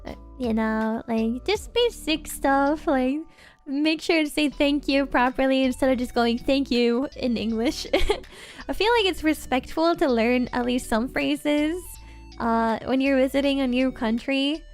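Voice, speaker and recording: Young female streamer, high and bright voice, chatty and giggly, close-miked, faint music behind. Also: unhurried. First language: Norwegian. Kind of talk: casual livestream chat.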